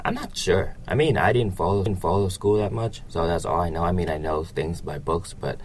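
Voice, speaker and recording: A young man from Vietnam, a native Vietnamese speaker with a Vietnamese accent, answering casually in a halting, rambling way with lots of filler phrases. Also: sits low, a little hiss or hum. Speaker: interviewee.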